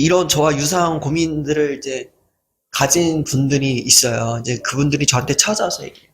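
A man's voice: a little high, a bit bright. A man who hosts a channel, giving an earnest motivational talk and acting out people's mocking remarks as he goes. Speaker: lecturer and channel host.

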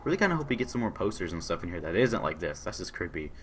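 A hoarse young man with a sore throat, casually commentating a game he is playing, reading on-screen messages aloud and answering them. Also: sits low, sing-song, rapid-fire, a bit bright, a little hiss or hum. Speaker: gaming channel host. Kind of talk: casual let's-play commentary.

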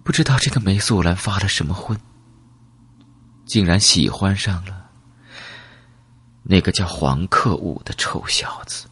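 Man voicing a low-pitched, wistful old woman. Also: expressive, a bit bright, husky, no room sound, heavily acted. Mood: calm, wistful. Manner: slow, measured, reminiscing with rhetorical questions. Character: elderly woman storyteller, calm, wistful, secretive.

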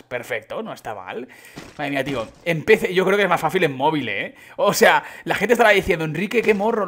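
A young man with a Spain Spanish accent giving casual, excitable commentary on his gameplay, chatting to his viewers and breaking into sudden shouts. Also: high voice, slightly rough. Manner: chatty, addresses viewers as chicos. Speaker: gaming YouTuber.

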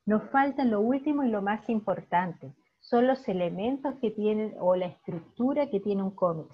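A woman teacher with a Chilean accent giving an online class, praising her students warmly and explaining patiently. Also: medium pitch, lively intonation, moderate pace. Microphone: video call. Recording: dull lo-fi video call audio.

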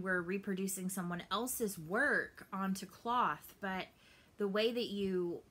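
A woman's voice: mid-range voice, bright, forceful tone. A woman in her late thirties chatting casually to camera about her stitching hobby, rambling and gesturing as she talks, seated in a small room at home. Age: 30s. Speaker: cross-stitch vlogger. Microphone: camera in front, upper-body framing.

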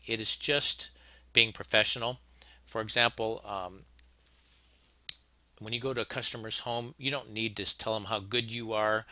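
An HVAC instructor narrates a slide lecture in a plain-spoken, conversational way, often restarting and repeating his sentences. His voice is lowish, pushed and bright, with no echo.

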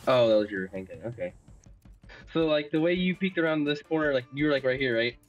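A man's voice: mid-range voice, lively intonation, a little fast, highs cut off. A young man coaching a shooter game over voice chat, explaining loosely with lots of fillers.

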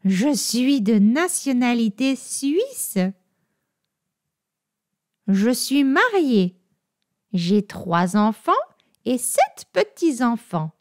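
A woman's voice: fairly high pitch, sing-song, extremely slow, pauses often, a little mellow, heavily acted. A woman voicing an elderly retired grandmother who introduces herself cheerfully and chattily for a language lesson. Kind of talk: scripted language-lesson role play.

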